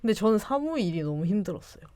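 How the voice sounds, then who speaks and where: A woman's voice: medium pitch, sing-song, fast, warm tone, no room sound. Korean lady w a regional accent, podcast guest, rambly n giggly, pretty dry close sound. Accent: Korean regional dialect. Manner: rambling, giggly, self-deprecating. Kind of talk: casual conversational storytelling.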